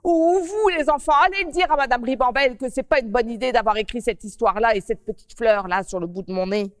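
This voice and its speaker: A woman's voice: fairly high pitch, fast, no room sound, studio quality, in a large hall, close to an everyday voice. A woman voicing a fretful young woman with a flower on her nose, who exclaims and stammers while speaking to the children in a children's TV story. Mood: fretful flustered.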